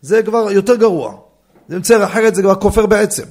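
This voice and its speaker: A man, a rabbi, giving an animated lecture on Jewish law and firing rhetorical questions at his listeners. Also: high voice. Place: study hall class.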